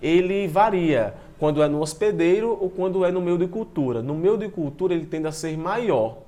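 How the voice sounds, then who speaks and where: A man's voice: sits high, animated, moderate pace, mellow. A man giving an informal online lecture, reading from slides and commenting in a chatty way, sometimes tripping over technical words. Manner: stumbles and restarts over long technical words, self-deprecating; chatty, addresses students directly. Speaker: biology teacher presenting an online class.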